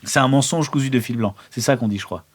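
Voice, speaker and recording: A man's voice: mid-range voice, fast talker, slight background noise. A man playing in an improvised role-playing game, bantering casually with the others.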